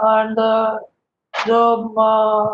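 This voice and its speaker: A man with a Marathi accent speaks at an extremely high pitch. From Hyderabad, India. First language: Marathi (speaking Hindi). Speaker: official language trainer. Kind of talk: online training session. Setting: online session from home.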